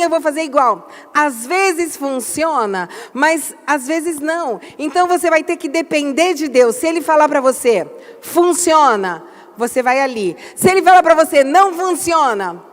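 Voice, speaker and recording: High-voiced woman pastor, hall echo. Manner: animated storytelling with emphatic outbursts. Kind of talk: church conference talk.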